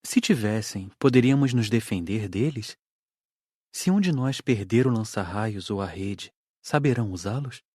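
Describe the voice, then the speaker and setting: A man's voice: on the low side, expressive, moderate pace, warm tone, dry recording, studio quality. A man with a Brazilian accent playing a curious, cautious student spirit in an audiobook. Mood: curious, concerned. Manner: inquiring. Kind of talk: audiobook character acting.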